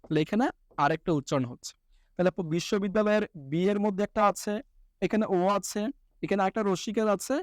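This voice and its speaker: A man's voice: sits high, no echo, clean studio sound. A young man teaching an online lesson, asking questions and answering them himself step by step.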